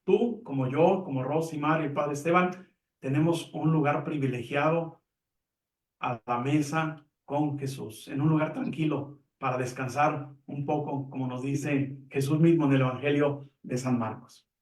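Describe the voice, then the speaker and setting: A man giving a calm, measured religious lesson, explaining with simple examples. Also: fairly high pitch. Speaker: Catholic teacher on a program. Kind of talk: reflective religious teaching. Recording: echoey room, mic at a distance.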